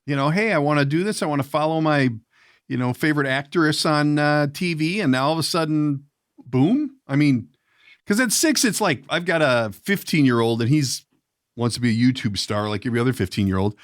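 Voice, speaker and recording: A middle-aged man hosts in a casual, joking way. His pitch moves around in a lively manner, and the sound is close and dry with no room around it. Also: brisk, dry recording. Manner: joking, conversational. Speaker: podcast host. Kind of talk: casual comedic interview.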